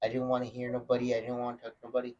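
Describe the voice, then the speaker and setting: A man in a casual podcast chat, telling his story in a halting, roundabout way and swearing now and then. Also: medium pitch, monotone, mellow, highs cut off. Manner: halting, many fillers and restarts, swears. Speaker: podcast guest.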